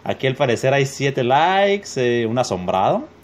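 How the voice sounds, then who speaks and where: A man's voice: mid-range voice, sing-song, a little slow. A young man with a Mexican accent, casually reading and mocking social media comments aloud, swearing freely and joking. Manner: profane, joking, reads comments aloud with laughs. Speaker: gaming youtuber reading comments.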